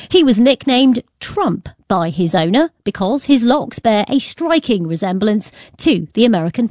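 A woman news presenter speaks into a studio mic in a measured, crisp newsreader cadence. The room is dry and close, with no echo. Her pitch sits in an ordinary middle range. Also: a little mellow. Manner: crisp measured newsreader delivery with light laughter in chat. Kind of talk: live radio news presenting. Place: broadcast studio. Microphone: studio microphone.

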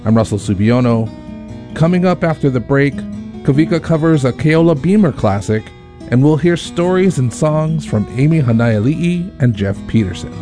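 A man hosting a radio program, reading scripted announcements in a smooth, measured way. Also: mid-range voice, lively intonation, music in the background.

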